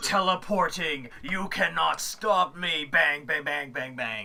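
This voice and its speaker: Shouting in a cartoonish character voice, a man with a fairly high pitch goes at a fairly slow pace over light background noise. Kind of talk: anime. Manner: dramatic, theatrical, shouting.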